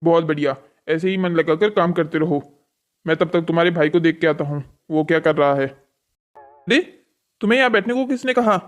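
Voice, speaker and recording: A man's voice: on the high side, normal speed, lightly acted. A man voicing a stern, exploitative hotel boss in a cartoon story, with a commanding manner. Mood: stern, bossy. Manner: bossy, commanding. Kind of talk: scripted cartoon story dialogue.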